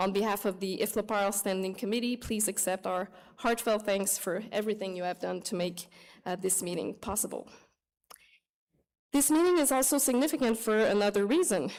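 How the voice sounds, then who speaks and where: A woman talks at a fairly quick pace with a French accent. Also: medium pitch for a woman, ordinary pitch variation. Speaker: conference committee chair. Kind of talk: formal opening speech. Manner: formal.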